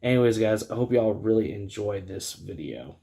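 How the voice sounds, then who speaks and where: Man, raspy scratchy voice, heavy vocal fry, casual tutorial chat, halting, filler-heavy. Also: lowish voice, animated. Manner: rambling, hesitant, filler-heavy. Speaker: host of a card game video channel.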